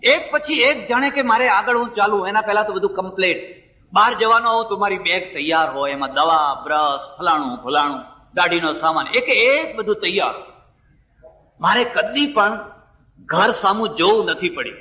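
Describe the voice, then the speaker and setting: A man's voice: high-pitched, lively intonation, moderate pace, sharp tone. A man with a Gujarati accent giving a spiritual discourse, telling stories and acting out the words of the people in them. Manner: storytelling, acting out dialogue of others. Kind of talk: sermon with told stories. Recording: distant, roomy, dull sound from a hall.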